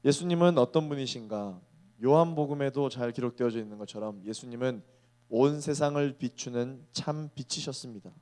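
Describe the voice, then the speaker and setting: A man in his thirties preaching a sermon to young adults, earnest, slowing down to weigh key phrases. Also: mid-range voice, darkish tone.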